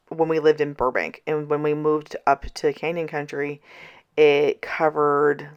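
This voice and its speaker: A woman in her thirties chatting casually in a vlog, tired, her voice scratchy and hoarse, going out as she talks. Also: deep voice, highs cut off. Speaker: vlogger. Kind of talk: casual planner vlog chat.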